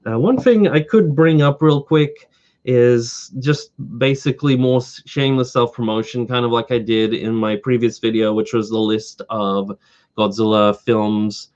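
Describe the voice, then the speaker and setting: A slightly hoarse man chatting casually on a live stream, wandering from point to point with eager enthusiasm. His voice sits at an ordinary middle pitch. The audio is dull and lo-fi. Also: measured pace, a little mellow. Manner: rambling, eager collector fan. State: slightly hoarse from talking all day. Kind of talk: casual live stream chat answering viewers.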